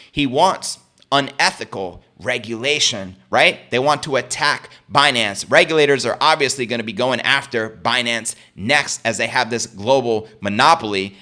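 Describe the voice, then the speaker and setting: A man's voice: mid-range voice, pushed and bright. A man hosting a cryptocurrency news show, giving informal opinionated commentary in an emphatic, slangy way. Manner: emphatic, slangy, poses rhetorical questions to listeners.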